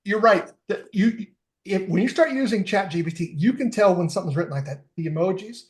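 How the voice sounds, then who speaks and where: A middle-aged man, here as a fitness technology expert guest on a relaxed podcast interview, enthusiastically explains tools in steps. His high-pitched voice is expressive, and his pace is fairly quick.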